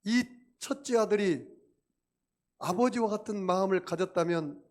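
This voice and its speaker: Male pastor, sermon delivery, slightly higher voice, emphatic with rhetorical questions. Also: a little slow, darkish tone.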